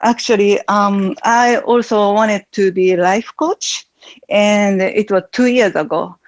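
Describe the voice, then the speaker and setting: Speaking at a fairly slow pace in a Japanese accent, a woman uses ordinary pitch variation. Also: medium pitch for a woman, very even loudness. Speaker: aspiring life coach. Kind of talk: coaching conversation. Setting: Clubhouse audio room. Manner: halting, many fillers.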